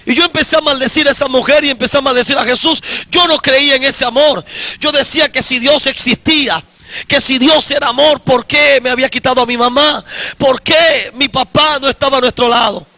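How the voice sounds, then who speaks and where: A man in his forties, an evangelist preaching his own testimony slowly and emphatically, often repeating his phrases. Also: very high voice, fairly even intonation, pushed and bright, dry recording.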